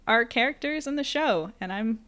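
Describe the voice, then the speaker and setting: A woman's voice: on the high side, expressive, moderate pace, over a noisy crowd. A woman hosting a podcast in an upbeat, casual style over an online video call. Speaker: podcast host.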